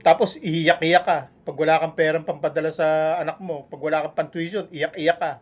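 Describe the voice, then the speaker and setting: A man scolding and mocking a rival on a live stream, with taunting jabs and long humming pauses between them. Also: a little high, level tone. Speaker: vlogger.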